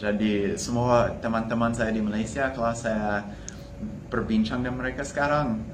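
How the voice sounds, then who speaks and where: A man speaks at a medium pitch and a moderate pace with fairly even intonation. The recording has audible room echo and noticeable background noise. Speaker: language student. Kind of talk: interview.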